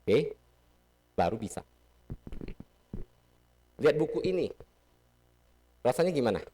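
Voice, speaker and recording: A man's voice: medium pitch, takes it slowly, a little hiss or hum. Guy giving a chatty temple sermon, voice bouncing all over, keeps quizzing the audience. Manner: lively, playful teaching with questions to the audience. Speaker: Buddhist dharma speaker. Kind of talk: casual sermon. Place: temple hall.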